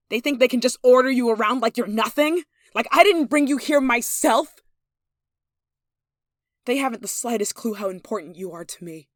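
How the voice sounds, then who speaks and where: A woman's voice: on the high side, a bit bright, no room sound. A woman acts out a domineering young noblewoman in an intimate audio roleplay. She is haughty, jealous and possessive, handing down clipped commands as someone used to being obeyed. The recording is dry and close, with no room sound. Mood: angry, imperious. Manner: imperious, indignant, sighing, clipped commands. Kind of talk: yandere ASMR roleplay acting.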